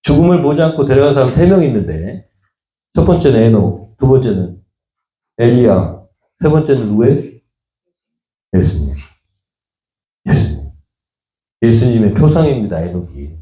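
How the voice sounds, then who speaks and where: A man's voice: mid-range voice, sing-song, moderate pace, pauses often, mellow, muffled recording. A middle-aged man preaching a sermon as pastor, talking to the congregation in a conversational way and acting out the voices he quotes. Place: church sanctuary. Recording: echoey church room.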